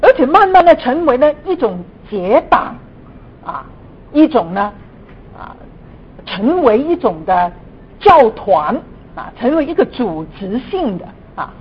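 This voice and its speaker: A woman's voice: sing-song, measured pace, husky. A woman from Guangdong, a native Cantonese speaker, speaks Mandarin with a Cantonese accent as a Christian lecturer, mixing in English terms. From Guangdong, China. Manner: frequent sentence particles, mixes in English terms. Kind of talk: church teaching lecture. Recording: dull lo-fi room recording, audible noise, rumble.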